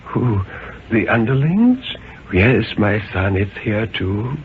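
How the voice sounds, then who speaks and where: A man voicing a gentle, white-haired old bookshop proprietor with a quiet, sympathetic, hesitant way of speaking, in a radio story reading. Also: fairly low pitch, big pitch swings, slow pace, narrow, tinny audio, slight background noise. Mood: quietly kind. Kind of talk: 1950s radio dramatic reading. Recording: thin, band-limited 1950s radio recording with music.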